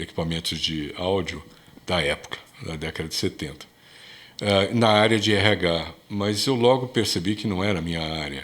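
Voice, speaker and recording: A man speaks in a very deep, low pitch at a moderate pace. Long, frequent pauses break up his speech. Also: ordinary pitch variation. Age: 60s. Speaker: finance executive. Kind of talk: interview.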